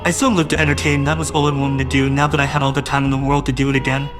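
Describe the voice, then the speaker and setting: A man's voice: medium pitch, little pitch movement, rapid-fire, over music. A man narrating a first-person audio drama in a wistful, doting way that grows uneasy.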